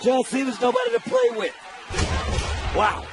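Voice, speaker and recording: A man's voice: very high voice, huge pitch swings, moderate pace. A man doing informal colour commentary on live wrestling, with punchy, appreciative interjections. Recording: clear arena noise behind.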